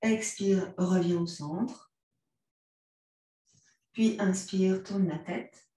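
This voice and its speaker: Slow, calm French woman guiding yoga. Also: mid-range voice. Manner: calm, gentle cues, mixes vous and tu. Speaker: yoga instructor. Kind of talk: guided yoga class instruction. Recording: very echoey room, voice from a distance.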